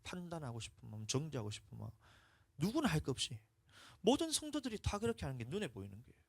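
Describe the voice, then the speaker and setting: Korean pastor with a Gyeongsang accent, wildly dynamic. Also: male voice, fairly high pitch, huge pitch swings, fast, creaky, breathy edge, no room sound. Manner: dramatic, swings between hushed talk and loud shouting. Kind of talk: emotional sermon with testimony. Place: church sanctuary.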